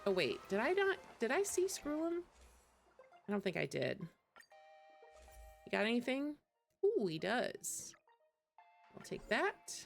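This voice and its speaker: A woman with a fairly high, creaky voice, wildly swooping pitch, slow pace and long pauses hosts a gaming livestream, chatting informally with viewers while she plays. Game music can be heard behind her.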